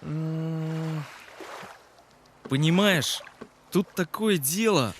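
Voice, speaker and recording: A man voicing an adventurous, excitable and boastful young boy hero in a cartoon, with dramatic exclamatory delivery. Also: fairly high pitch, very slow, noisy background. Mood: boastful, evasive. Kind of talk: animated fairy-tale adventure acting. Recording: music behind the voice.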